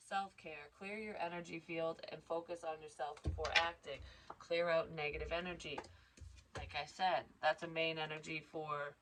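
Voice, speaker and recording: A woman's voice: low voice, background noise. A woman giving a casual psychic reading, stuffed up and congested, rambling and interrupting herself. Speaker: psychic tarot reader.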